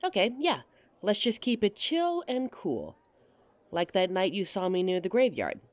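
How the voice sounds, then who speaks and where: In this dry recording, a voice actress with a medium-pitched, very animated voice takes her time as she roleplays a date addressed to the listener. The mood stays friendly while she teases, giggles and laughs a lot.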